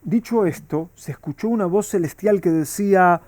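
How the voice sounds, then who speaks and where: A man's voice: high voice, moderate pace, a little mellow. A man, a rabbi, teaching a Talmud class and asking his students rhetorical questions.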